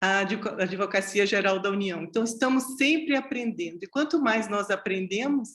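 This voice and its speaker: Pitch variation stays ordinary. The background is silent in this very clean recording. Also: woman. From Brasília, Brazil. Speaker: federal attorney, panel speaker. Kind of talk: panel talk. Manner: halting, many fillers and restarts.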